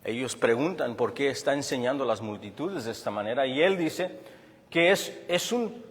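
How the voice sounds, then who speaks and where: Earnest preacher in a reverberant hall. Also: male voice, medium pitch, husky. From Chicago. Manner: earnest and explanatory, with frequent restarts and fillers. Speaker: pastor. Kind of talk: sermon.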